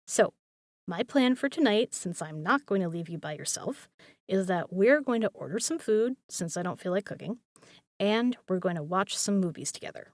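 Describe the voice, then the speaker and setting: A woman's voice: medium pitch, animated, moderate pace, no room sound, studio quality, natural voice. A woman acting a caring, teasing young roommate in an intimate audio roleplay, speaking casually with playful emphasis and some swearing. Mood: warm, teasing.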